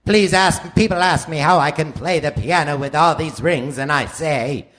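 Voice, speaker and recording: A man playing a vain, flamboyant male pianist in a comic radio play, with a camp, showy, drawn-out delivery. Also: a little high, fairly bright tone, natural voice.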